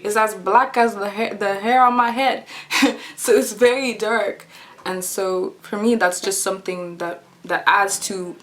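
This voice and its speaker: A young woman talks straight to her camera in a relaxed vlog. She is earnest and chatty, with a voice of medium pitch, and she laughs lightly and circles back over her own phrases as she thinks aloud. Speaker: vlogger. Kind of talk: casual talk to camera.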